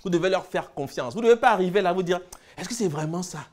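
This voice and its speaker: A man from Cameroon giving a lecture, listing words slowly and then explaining them with emphasis. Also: sits high, expressive, darkish tone. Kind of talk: lecture on word roots.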